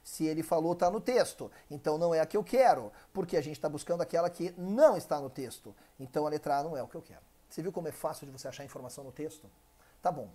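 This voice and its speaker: A man's voice: on the high side, quick pace, warm tone. A Brazilian man teaching an online exam-prep English class, explaining step by step and asking the viewer frequent rhetorical questions, with a dry throat. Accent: Brazilian Portuguese.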